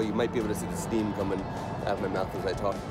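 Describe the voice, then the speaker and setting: A man's voice, dry with no echo, over music in the background. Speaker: photography vlogger. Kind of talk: casual vlog chat. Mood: upbeat, cheerful. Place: street. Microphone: phone near.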